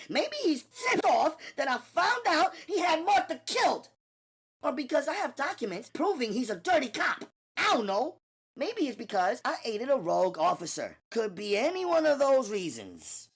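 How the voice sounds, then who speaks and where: A man voicing a tough, streetwise young woman who speaks fast and emphatically, her pitch climbing as she talks. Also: big pitch swings, fairly bright tone. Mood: indignant. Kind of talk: audiobook character voice.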